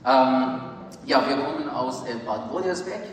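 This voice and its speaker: Halting preacher in a booming hall. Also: male voice. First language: Farsi. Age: 30s. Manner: halting, searching for words, earnest. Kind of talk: sermon. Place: large church hall. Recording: echoey church hall from far off, faint hiss.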